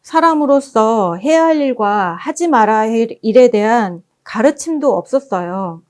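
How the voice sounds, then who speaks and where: A woman presenting at a book forum who reads passages aloud as gentle storytelling. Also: a little high, animated, a little slow. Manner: gentle storytelling, acting out quoted lines.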